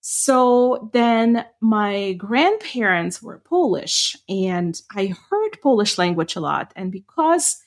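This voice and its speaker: A woman's voice: mid-range voice, big pitch swings, takes it slowly, hardly any pauses. Middle-aged woman, thoughtful. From Ukraine. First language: Ukrainian. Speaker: podcast co-host. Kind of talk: casual chat.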